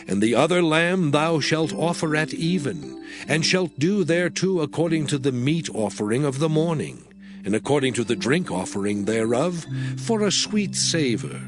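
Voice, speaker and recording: A man giving a solemn, declamatory dramatized biblical narration as an audiobook reader, in archaic diction. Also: mid-range voice. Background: music.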